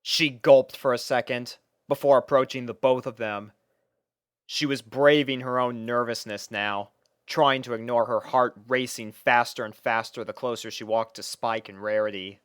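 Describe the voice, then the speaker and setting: A man's voice: medium pitch, fairly even intonation, normal speed, clear, resonant tone, dry recording, clean studio sound. A man reading scripted story narration as the narrator of a piece of fiction.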